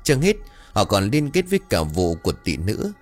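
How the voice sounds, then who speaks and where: A man narrating a ghost story, reading it aloud in an expressive way and voicing the characters' dialogue. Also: fairly low pitch, normal speed, faint music behind.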